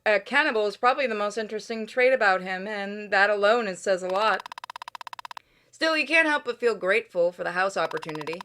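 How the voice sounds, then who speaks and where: A woman's voice: medium pitch, fairly bright tone, a little hiss or hum. A woman gaming streamer reading visual novel text aloud and chatting casually as she plays. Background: game music.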